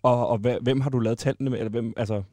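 A man hosting a comedy podcast reportage, excitable and full of hesitant fillers. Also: mid-range voice, dry recording, studio quality. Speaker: podcast host.

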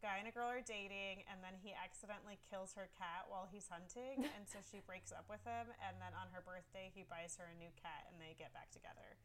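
A woman in her thirties whose first language is Farsi, an author chatting in an interview, animated and quick to laugh. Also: mid-range voice, slight background noise. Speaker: author guest. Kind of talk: casual interview chat.

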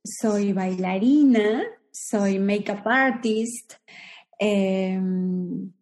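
A woman's voice: mid-range voice, very slow, darkish tone. A Peruvian woman in her forties, a guest in an interview, talking reflectively with many restarts and fillers. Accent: Peruvian Spanish. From Peru. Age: 40s. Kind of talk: conversational interview.

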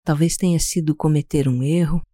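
A Brazilian-accented speaker guiding a meditation in a calm, soothing, unhurried way, leaving pauses between instructions. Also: mid-range voice, no echo, studio quality. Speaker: podcast host guiding a meditation. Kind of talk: slow guided meditation narration.

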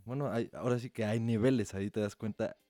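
A man with a dark, mellow voice, trading crude, vulgar jokes in a casual podcast chat. The sound is dry and close, with faint music behind him. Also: fairly low pitch, fairly even intonation, fast, dry recording.

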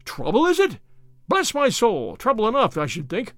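A man's voice: high voice, huge pitch swings, moderate pace, fairly bright tone, no echo, voice pushed up, heavily acted. A man voicing an irate, stout, bald middle-aged farmer who splutters and blusters in an audiobook story. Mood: furious.

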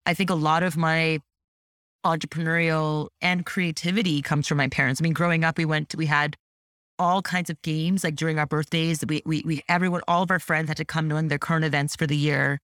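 Speaking a little fast in a low voice, a Canadian entrepreneur whose native tongue is French chats animatedly as a podcast guest, peppering her talk with "like" and "you know." The recording is studio quality, without echo.

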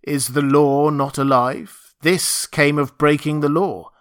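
A man voicing a commanding man who proclaims law to beasts in an audiobook story, declaiming slowly with authority. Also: fairly high pitch, fairly even intonation, no room sound, clean studio sound, pitched above the performer's own voice. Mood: solemn warning.

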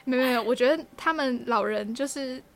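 A woman's voice: high voice, a little fast. A young woman with a Taiwanese Mandarin accent co-hosting a podcast, telling a story in casual chat and laughing often. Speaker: podcast co-host.

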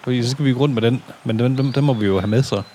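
A man's voice: mid-range voice, warm tone, slight background noise. A man playing a tabletop game in character, nervous and reluctant, protesting each risky plan. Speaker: player. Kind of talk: tabletop role-play in character.

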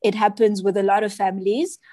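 A woman's voice: medium pitch, fairly even intonation, brisk, dark tone, no room sound. Chatty South African woman, dry sound. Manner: chatty storyteller, often adds "you know" and "right". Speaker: children's book author, guest. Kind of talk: casual interview chat.

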